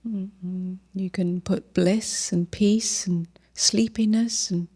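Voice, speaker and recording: A woman leading a guided meditation as a teacher, gentle and unhurried, with long pauses and soft, breathy phrase endings. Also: mid-range voice, steady tone.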